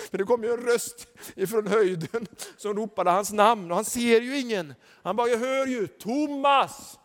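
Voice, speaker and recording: A man preaching a sermon, telling personal stories and rising to fervent, loud exhortation. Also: high-pitched, long reverb tail.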